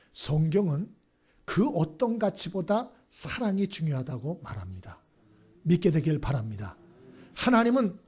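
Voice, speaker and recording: A high-voiced male pastor with a husky edge to his voice delivers a sermon in a church. His pitch swings widely as he tells stories and keeps checking in with the congregation. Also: darkish tone. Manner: storytelling, often checks in with the congregation.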